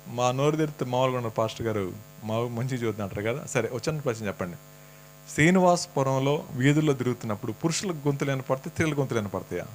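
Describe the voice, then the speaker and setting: A male preacher in a church talks to his congregation in a loose, conversational way, firing teasing questions at them. A faint mains hum sits under his voice. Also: mid-range voice. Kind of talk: sermon. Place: church hall.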